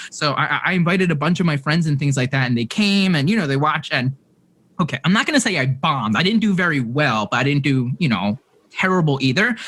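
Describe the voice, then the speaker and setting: A man at a very fast pace, fairly high in pitch, with a bright, sharp tone, lively intonation and very even loudness. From Philadelphia, Pennsylvania. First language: Korean. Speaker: stand-up comedian. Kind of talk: casual chat.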